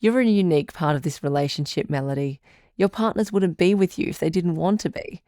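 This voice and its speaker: A woman playing a calm, caring radio advice doctor who hosts a call-in show in a measured, reassuring way. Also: on the low side, no echo, clean studio sound, natural voice. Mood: gentle, firm.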